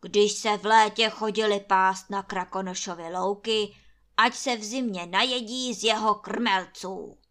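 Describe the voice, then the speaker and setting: A woman voicing a bossy, greedy male landlord who shouts commands in a storybook reading. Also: medium pitch, steady tone, a little hiss or hum, natural voice. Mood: domineering.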